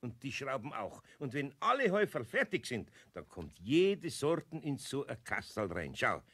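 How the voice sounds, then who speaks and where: A man's voice: mid-range voice, very animated, normal speed, pushed and bright, slightly rough, exaggerated voice. An actor playing an older, good-natured but grumbling craftsman with a Bavarian accent, homely and admonishing, in a children's radio play. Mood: instructing.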